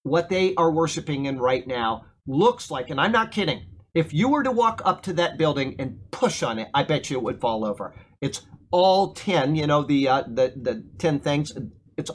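Man, fifties, pastor, slightly high voice, chatty sermon, keeps asking okay. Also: lively intonation, normal speed, a little hiss or hum. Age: 50s.

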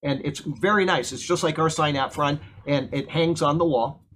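A man's voice: fairly high pitch, moderate pace, fairly bright tone, a little hiss or hum. A man, preaching a casual sermon and often checking in with his listeners. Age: 50s. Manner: conversational, keeps asking "okay?". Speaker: pastor.

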